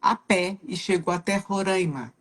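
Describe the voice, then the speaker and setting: Uma mulher com sotaque brasileiro conta uma história pessoal de forma sentida, repetindo palavras para dar ênfase. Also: female voice, on the low side, measured pace. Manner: heartfelt storytelling, repeats words for emphasis. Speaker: trainer at a coaching company. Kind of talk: casual reflective talk.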